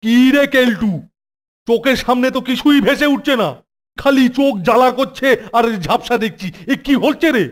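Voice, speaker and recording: An actor voicing a gullible, pompous middle-aged male hostel superintendent in a children's cartoon, exaggerated, with loud music behind. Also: high voice, moderate pace, close to an everyday voice. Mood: puzzled. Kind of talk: Bengali children's cartoon dubbing.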